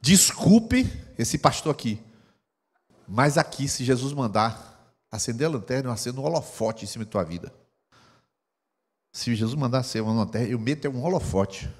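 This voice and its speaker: Animated Brazilian pastor preaching in an echoey hall. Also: male voice, mid-range voice, moderate pace, long pauses, slightly rough. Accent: Brazilian Portuguese. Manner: emphatic, animated preaching with sudden loud bursts. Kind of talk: sermon.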